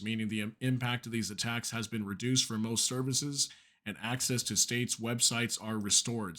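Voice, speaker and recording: A man's voice: medium pitch, bright, forceful tone. A man hosting an online news commentary, chatty and full of fillers, who is losing his voice from being under the weather. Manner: chatty, many fillers and asides. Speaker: news channel host. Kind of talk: casual news commentary, reading articles aloud.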